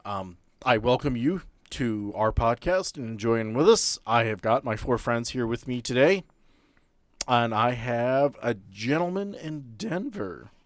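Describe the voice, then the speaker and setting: A man's voice: mid-range voice, expressive, measured pace, no room sound. A man hosting as game master, talking casually. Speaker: game master and podcast host. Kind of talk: casual chat.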